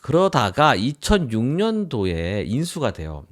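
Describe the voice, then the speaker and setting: A man's voice: medium pitch, wildly swooping pitch, unhurried. A man presenting a product review in an informal explanatory way, posing his own questions and stressing his sentence endings.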